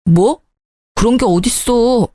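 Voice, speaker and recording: A woman's voice: a little high, takes it slowly, warm tone, dry recording, clean studio sound. A woman voicing a whiny stubborn husband. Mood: sulky.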